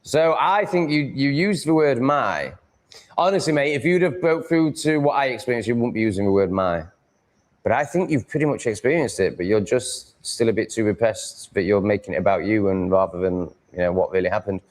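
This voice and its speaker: Man, Yorkshire accent, lowish pitch, casual rambling livestream talk, blunt, sweary manner. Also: expressive, a little fast. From Yorkshire, England. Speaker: livestream host.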